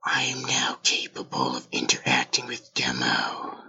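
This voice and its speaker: A performer voicing an impersonal device in an audio drama, with a whispery, gravelly delivery and formal phrasing. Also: mid-range voice, sing-song, unhurried, sharp tone, lo-fi sound, exaggerated voice. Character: robotic remote device reporting codes in a flat system voice.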